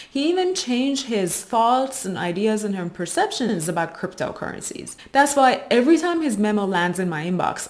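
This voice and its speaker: A woman presenting prepared explanatory commentary as a channel host, explaining in a measured way and stressing key phrases. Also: fairly low pitch. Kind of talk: explanatory investing commentary, prepared talk to viewers.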